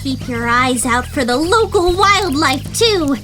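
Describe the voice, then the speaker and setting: A woman plays a young female monkey guiding visitors. The voice is extremely high and bright, with lively swings. She sounds upbeat and sensible in an audio drama. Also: measured pace, faint music behind, heavily acted. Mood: cheerful. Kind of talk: fan audio drama acting.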